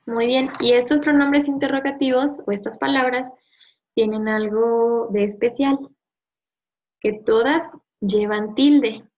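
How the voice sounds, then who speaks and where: A woman teacher giving a one-on-one review lesson, patiently quizzing and repeating words slowly. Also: on the high side, fairly even intonation, darkish tone. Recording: slightly muffled lo-fi audio.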